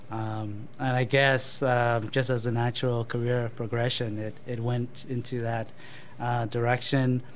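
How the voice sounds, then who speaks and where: Modest male interviewee with a mid-pitched voice, hesitant and full of fillers, faint noise behind. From born in Thailand to Cambodian parents, raised in Canada. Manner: hesitant, many ums and uhs, thoughtful pauses. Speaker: marketing manager and guest. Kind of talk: casual interview answers.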